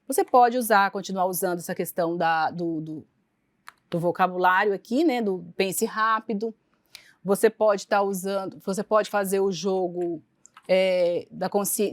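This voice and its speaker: A woman's voice: a little high, no echo, studio quality. A woman teacher giving a recorded online lecture with a Brazilian Portuguese accent, explaining step by step with frequent tag questions and restarts.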